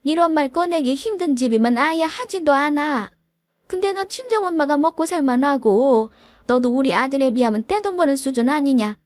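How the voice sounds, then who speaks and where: A shrill, domineering middle-aged mother-in-law, put on by a woman reading a story aloud, snapping orders in a high, sharply swooping voice. She scolds and lectures at every turn, and the sound is close and dry. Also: sing-song, moderate pace, dark tone, no echo. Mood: furious.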